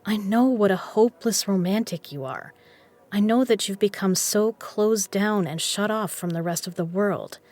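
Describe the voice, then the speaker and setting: A woman's voice: mid-range voice, moderate pace, a little mellow, lightly acted. Confident, frank woman played by an actress in an audio drama. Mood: caring, insistent. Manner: teasing, frank, coaxing. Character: confident, teasing, caring woman poker player, the man's cousin.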